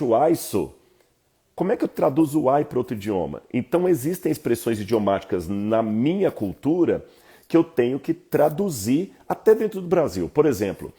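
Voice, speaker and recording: A man with a Brazilian Portuguese accent giving an informal Bible lesson, lecturing in a lively, conversational way with asides to his viewers. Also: lowish voice, slightly rough. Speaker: Bible teacher.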